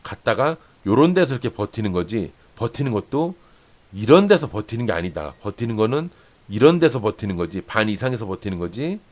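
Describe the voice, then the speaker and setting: A man's voice: fairly low pitch, sing-song, brisk, darkish tone. A man hosting a stock trading channel, walking viewers through a chart and repeating points for emphasis. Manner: explanatory, points along a chart with many "here" and "this much"; repeats phrases for emphasis, asks "right?" often. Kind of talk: chart-analysis lesson for day traders.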